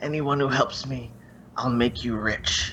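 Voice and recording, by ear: Over clear background noise, a man uses a breathy, croaky put-on character voice, speaking at a fairly slow pace in a monotone, flat intonation. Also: medium pitch for a man.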